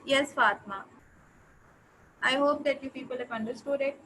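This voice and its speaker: A woman with a high voice and a South Asian accent leads a grammar lesson. She is instructive, often repeating phrases and checking that her class follows. There is slight background noise on the recording. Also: normal speed, bright, forceful tone, rough recording. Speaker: English teacher. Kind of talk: interactive online grammar lesson.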